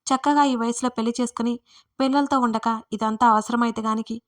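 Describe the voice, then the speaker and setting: A woman author reading her own first-person audio story aloud. Her narration is scripted and steady, with a fairly high voice. The pitch stays narrow and even throughout. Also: fairly quick.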